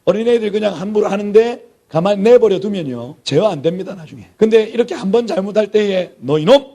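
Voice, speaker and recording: A middle-aged pastor delivers a sermon-style lecture to a theology class, his voice sitting high with a dark tone and a quick pace. He is emphatic, repeating key words and sinking to near-whispers for emphasis. The recording has a lo-fi sound.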